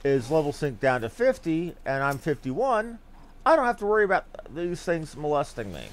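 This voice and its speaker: Male streamer, lightish high voice, lively inflection, casual gameplay chatter with salty asides. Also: moderate pace, slight background noise. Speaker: game streamer.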